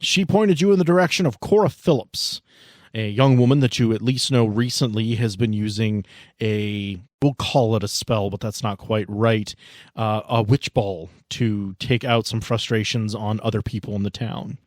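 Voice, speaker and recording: A man's voice: lowish voice, normal speed, a little mellow, no echo. Teasing male game master, dry sound. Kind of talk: narrating a tabletop game.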